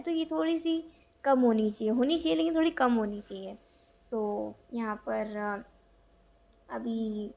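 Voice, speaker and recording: A woman gives a casual tarot reading, chatty and rambling, with many fillers and restarts. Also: a little high. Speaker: tarot reader.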